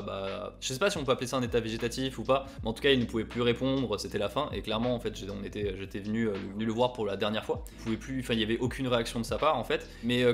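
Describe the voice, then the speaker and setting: A young man chatting casually on his vlog, reading out viewer messages and reacting with animated, sometimes loud mock outrage. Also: medium pitch. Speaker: YouTuber.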